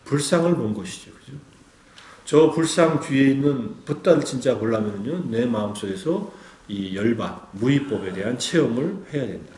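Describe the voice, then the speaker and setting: A man's voice: mid-range voice, expressive, normal speed, a little mellow. A man as a Buddhist meditation teacher giving a dharma talk, explaining patiently and asking listeners rhetorical questions. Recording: roomy echo.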